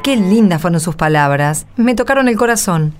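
A woman's voice: lowish voice, animated, normal speed, lightly acted. A woman playing a plain-spoken, kindhearted and insistent country woman in a radio play, with an Argentine accent and a direct manner. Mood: insistent, scolding. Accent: Argentine Spanish. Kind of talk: radio play dialogue acting.

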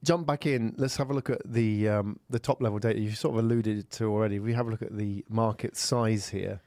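A man's voice: lowish voice, steady tone, fairly quick, a little mellow, no echo. A man in his forties hosting an interview, chatting casually, with fillers and friendly prompts. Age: 40s. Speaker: podcast host.

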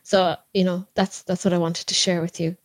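A woman's voice: lowish voice, little pitch movement, moderate pace, dry recording. Enthusiastic Irish woman from Cork. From Ireland. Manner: enthusiastic, repeats words while searching for phrasing. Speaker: podcast guest. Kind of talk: conversational interview. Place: home.

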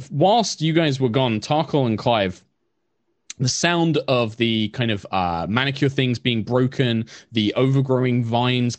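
A man narrating a tabletop game as game master, describing scenes in an unhurried way with frequent fillers. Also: mid-range voice, no echo.

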